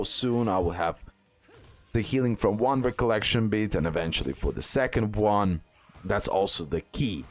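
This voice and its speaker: A man giving casual, off-the-cuff gameplay commentary, repeating phrases and tacking on little check-in questions. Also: low-pitched. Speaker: gaming content creator.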